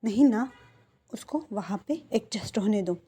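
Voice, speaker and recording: A woman voicing a stern middle-aged father who gives quiet, firm orders while reading a fan fiction story. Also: medium pitch, animated, unhurried, husky.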